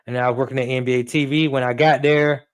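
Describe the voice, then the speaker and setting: A man, a sports radio producer and host, talking in a relaxed way with fillers and repeats as a guest. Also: medium pitch, quick pace, clean tone. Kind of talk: casual storytelling chat.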